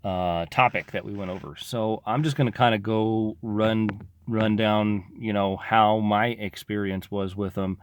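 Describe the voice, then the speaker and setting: A man's voice: on the low side, fairly even intonation, a little slow, hardly any pauses, slight background noise. A locksmith talking casually to his viewers, rambling with lots of fillers, tired and losing his voice from getting sick. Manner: rambling, informal, frequent fillers. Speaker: locksmith sharing business advice. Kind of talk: casual talk to camera.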